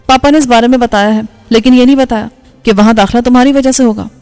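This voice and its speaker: A woman's voice: on the high side, steady tone, a little mellow, clear, resonant tone, big-room sound, faint music behind, lightly acted. A woman voicing a bold, teasing young woman. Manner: bold, forward, quick.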